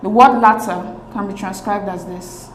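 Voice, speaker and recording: A woman's voice: mid-range voice, fairly even intonation, moderate pace, slight background noise. A woman hosting an exam-prep lesson. She reads each question aloud, then walks steadily through the options. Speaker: teacher and channel host. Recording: echoey room.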